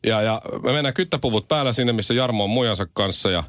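A man hosting a radio morning show, bantering and spinning comic schemes in an animated way in the studio. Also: mid-range voice, dry recording. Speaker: radio host.

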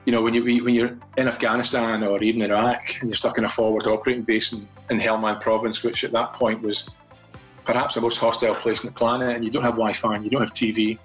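A man's voice: mid-range voice, flat delivery, fast, fairly bright tone, faint music behind, rough recording. An older Scottish man, a guest from a fathers' charity, chatting in a radio interview and often repeating words as he restarts his thoughts.

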